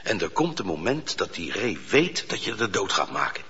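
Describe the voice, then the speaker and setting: An actor playing a humble, earnest poacher in a radio drama, explaining himself deferentially and insistently. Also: male voice, on the low side, big pitch swings, normal speed, sharp tone, husky, exaggerated voice. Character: humble, earnest male poacher held prisoner. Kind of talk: Dutch radio drama acting. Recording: muffled, reverberant radio drama recording.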